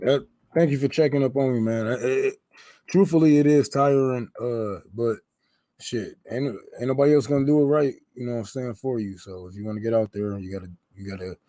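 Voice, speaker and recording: A man's voice: mid-range voice, a little fast, dark tone, dry recording. Laid-back man, livestream co-host, slangy casual talk, dry close sound.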